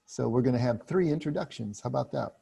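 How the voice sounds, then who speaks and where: A man leading a group book study, explaining passages in a relaxed, chatty way with frequent restarts. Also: mid-range voice, fast talker, vocal fry, breathy edge.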